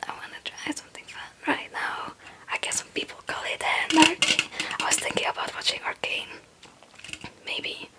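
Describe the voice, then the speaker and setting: A young woman who is a non-native English speaker whispers in a casual, rambling ASMR chat, often hesitant and self-deprecating. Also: normal speed. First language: not English. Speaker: ASMR video creator.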